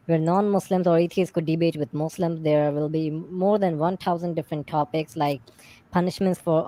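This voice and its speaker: A woman with a South Asian accent, a native Urdu speaker, talking unscripted as a livestream guest in halting, repetitive English as she searches for words. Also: sits low, mellow, rough recording.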